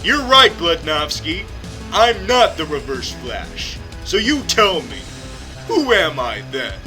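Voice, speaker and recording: A woman's voice: sits low, very animated, slow, bright, forceful tone, faint music behind, full character voice, rough recording. A woman playing Lucifer, a boastful, teasing devil supervillain, in a theatrical, emphatic comedy skit style. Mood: triumphant, taunting.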